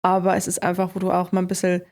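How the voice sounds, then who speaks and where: A woman's voice: on the low side, monotone, fast talker, darkish tone. A woman from Germany, a sales employee, answering interview questions in an upbeat, casual way. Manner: upbeat, affirming with frequent "ja".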